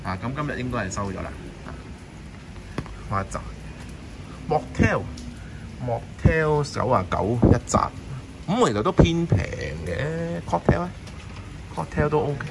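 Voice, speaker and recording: His voice a little high and creaky, a Hong Kong Cantonese-accented man keeps a measured pace and pauses often during a live-streamed night walking tour in the rain. He chats casually to viewers and people passing, recorded on a handheld phone camera with steady rain and traffic in the background.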